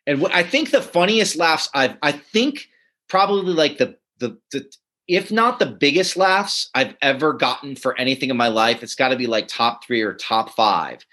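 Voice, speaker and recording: A man who writes and teaches comedy, telling stories in a relaxed interview, often chuckling and restarting his sentences. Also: medium pitch, moderate pace. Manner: animated, chuckling, many restarts. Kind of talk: casual interview storytelling.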